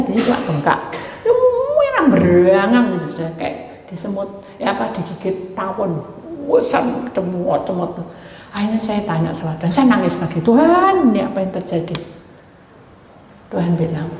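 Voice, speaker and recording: A woman's voice: on the low side, dark tone, roomy sound, big-room sound, a little hiss or hum, rough recording. A middle-aged woman pastor, preaching and acting out both sides of the conversations she retells. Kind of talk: sermon with a retold story.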